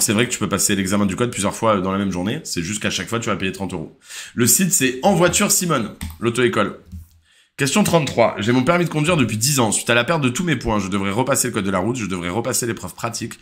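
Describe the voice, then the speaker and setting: A young man with a French accent, hosting a casual live driving-theory quiz, chatty and hesitant, reading questions and answering viewers. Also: lowish voice. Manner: relaxed, chatty, full of hesitations. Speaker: driving school live host.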